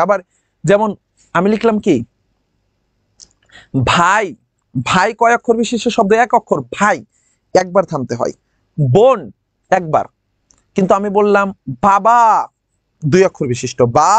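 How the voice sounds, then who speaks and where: Lively, teasing man teaching. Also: high-pitched, dry recording. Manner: lively, teasing, addresses students by name. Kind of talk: online class lecture.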